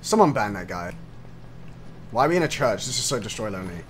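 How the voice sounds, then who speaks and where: A man's voice: lowish voice, very animated, quick pace, a little hiss or hum. A young man giving casual gameplay commentary, jumpy and laughing, swearing and yelping when startled. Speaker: gaming streamer.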